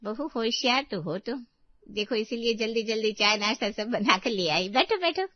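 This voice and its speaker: Nosy middle-aged neighbor woman, put on by a female narrator, drawn-out prying lines, dry and dull. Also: on the high side, lively intonation, dry recording, close to an everyday voice. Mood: sweet-talking.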